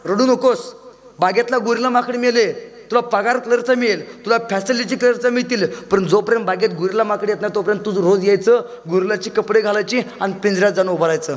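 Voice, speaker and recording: A man voicing a calm office boss who consoles a job applicant in a raised, soothing voice. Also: high-pitched, fast talker, lightly acted. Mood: consoling. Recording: long reverb of a large hall.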